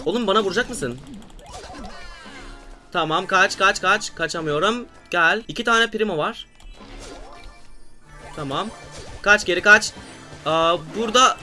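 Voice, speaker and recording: A young man giving loud, playful gameplay commentary as a gaming YouTuber, teasing his viewers and shouting on big wins. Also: high voice.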